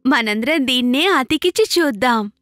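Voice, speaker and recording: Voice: high voice, lively intonation, normal speed, a bit bright, no room sound. An actor voicing a sensible, encouraging young character in a children's cartoon, instructive in manner. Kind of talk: animated children's cartoon acting.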